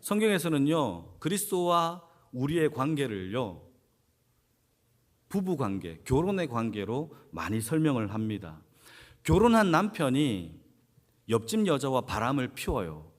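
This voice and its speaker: A man's voice: mid-range voice, very animated, measured pace. A man preaching a Sunday sermon as senior pastor, asking the congregation questions and answering them himself, and repeating key phrases for emphasis. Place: church sanctuary.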